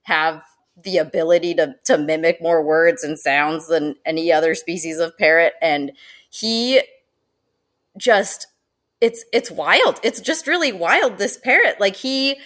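A woman who works as a zoo animal educator, chatting casually in an interview, animated and laughing often. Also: on the low side. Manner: animated, laughing, with quick excited quoted asides.

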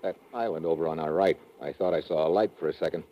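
An American actor playing a tough, wry secret agent posing as a ship's captain in a 1950s radio adventure, with a clipped, sardonic delivery. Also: male voice, extremely low pitch, quick pace. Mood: watchful. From United States. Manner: clipped, sardonic, hard-boiled. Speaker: lead actor in a radio drama. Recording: dull, noisy old radio recording.

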